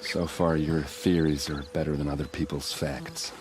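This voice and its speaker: A man's voice: rumbling low, flat delivery, normal speed, noisy background. A man voicing a grieving, self-doubting tribal warrior in a video game, speaking bluntly with weary bitterness. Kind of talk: video game cutscene acting.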